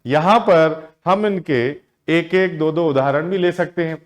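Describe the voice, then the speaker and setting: A man with a slightly high voice teaches a grammar lesson for exam prep. He keeps putting a question to his students and answering it himself, stretching out the key words as he goes. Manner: asks the class questions and answers them himself, drawn-out words.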